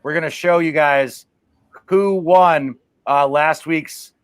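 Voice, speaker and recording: Casual male show host, slightly high voice, dry close sound. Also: takes it slowly, smooth, dry recording. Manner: loose, chatty, full of fillers. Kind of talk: casual livestream hosting.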